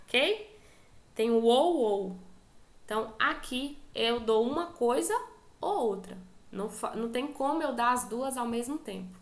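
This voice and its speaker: A woman's voice: on the high side, animated, unhurried, reverberant. A woman teacher with a Brazilian Portuguese accent, giving an online class lecture and patiently explaining step by step while checking in with her students.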